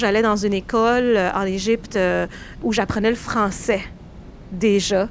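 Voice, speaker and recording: Noticeable background noise runs beneath this woman's speech. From Egypt. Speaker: immigrant interviewee. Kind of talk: testimony.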